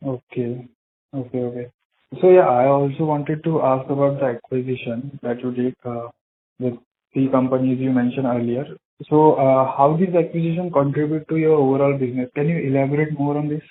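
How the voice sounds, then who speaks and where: A man's voice: mid-range voice, steady tone, brisk. Man asking questions over a tinny phone line. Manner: polite, hesitant, many "uh" fillers. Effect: speaking over a phone line. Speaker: individual investor caller. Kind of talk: asking questions on an earnings call.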